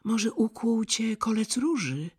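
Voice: medium pitch, sing-song, brisk, husky, pitched above the performer's own voice. A storyteller voicing a kind little girl who speaks with tender concern, in a storybook reading. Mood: worried. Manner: worried, tender. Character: gentle caring little girl.

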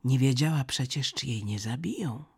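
Fairy tale reader, slow, very husky, creaky, lively pitch, half whispers. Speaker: storyteller.

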